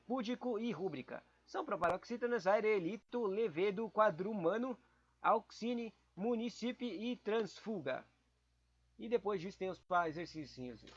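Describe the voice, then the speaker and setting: A man thinking aloud as he works through grammar study notes, casual and muttering, with confused asides. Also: sits high. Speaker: podcast host studying for exams. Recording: dull lo-fi recording.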